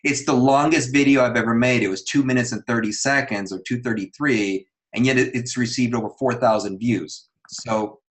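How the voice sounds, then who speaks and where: A man's voice: mid-range voice, fairly even intonation, moderate pace, few pauses, rough recording. A man on a panel giving casual advice in an encouraging, reassuring manner.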